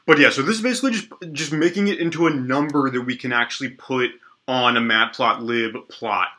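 A man's voice: medium pitch, a little fast. A young man with a stuffy, sniffly voice from allergies, casually talking through a coding tutorial at his desk with lots of ums and restarts. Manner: relaxed, lots of ums and restarts, thinks aloud while typing. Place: small indoor room at a desk.

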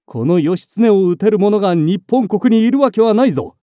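A man's voice: medium pitch, animated, slow pace, warm tone, dry recording, studio quality. A man voicing a commanding young samurai lord who declaims boldly and proudly. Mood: defiant.

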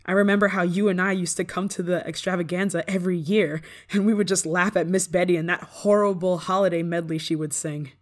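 A young diva played by a woman in an ASMR roleplay, with a slightly low voice for a woman. She brags and brushes people off in a prickly tsundere manner. Underneath she is soft, and she slips easily into flustered stammering. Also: steady tone, a little fast, hardly any pauses, natural voice. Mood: amused, teasing. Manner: tsundere: bragging and dismissive, flustered stammering when touched. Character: haughty young female pop star, prickly but secretly soft. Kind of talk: ASMR roleplay acting, one-sided dialogue.

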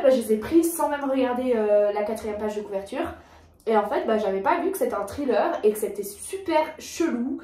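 A woman's voice: on the high side, a little mellow. A young woman chatting casually as a vlogger, talking with many fillers and restarts. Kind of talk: casual chat. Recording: echoey room, voice from far off.

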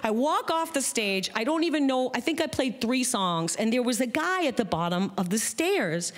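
Middle-aged woman storyteller, animated delivery, acts out voices, live stage telling. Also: on the high side, normal speed. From Massachusetts, USA. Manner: animated, quotes people in lively voices.

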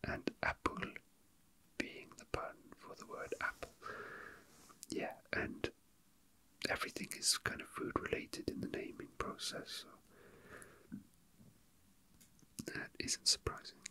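A young man whispering softly and breathily in an unhurried, halting ASMR murmur, as if casually commenting while his hands are busy. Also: low-quality recording. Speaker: ASMR video host. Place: indoors at a tabletop.

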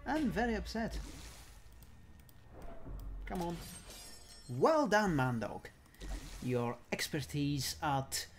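Male let's play commentator: theatrical, mock-genteel put-on accent, leisurely pace, swooping mid-range pitch, playful delivery. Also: slight background noise. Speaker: gamer commentating own play.

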